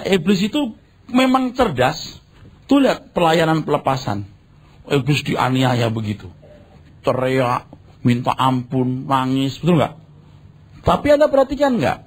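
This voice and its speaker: A middle-aged man preaching a sermon in a conversational way, dropping to low murmurs and jumping to sudden high exclamations. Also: husky. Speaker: pastor.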